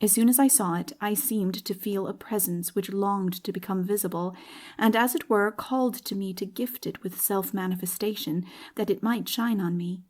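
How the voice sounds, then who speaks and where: A woman's voice: mid-range voice, normal speed, a little mellow. A woman narrating a literary audiobook as a dramatic reading.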